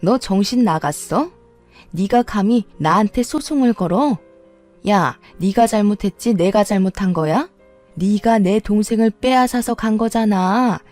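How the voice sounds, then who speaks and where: A woman's voice: medium pitch, a little slow, a little mellow, faint music behind, natural voice. A woman voicing a possessive sister-in-law who screams insults. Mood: furious.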